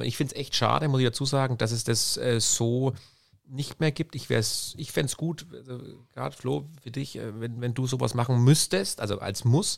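A man with a normal speaking voice talks at a medium pitch and a moderate speed. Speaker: podcast host. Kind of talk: casual interview.

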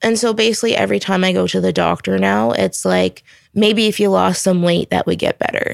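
A woman's very deep, low voice with vocal fry, fairly quick in pace, very even in loudness yet very wide in pitch swings, in a very clean recording with a silent background. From Winnipeg, Manitoba, Canada. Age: 30s. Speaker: body positivity advocate and model. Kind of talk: interview. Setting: studio.

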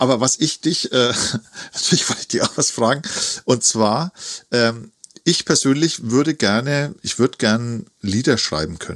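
Here a man talks at a medium pitch and a moderate pace, with lively intonation. Long, frequent pauses break up his speech. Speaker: podcast co-host. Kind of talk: casual chat.

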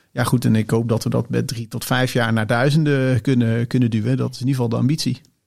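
A man's medium-pitched voice at a very fast pace, monotone and flat, with hardly any pauses. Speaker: company director. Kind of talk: casual chat. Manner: halting, many fillers.

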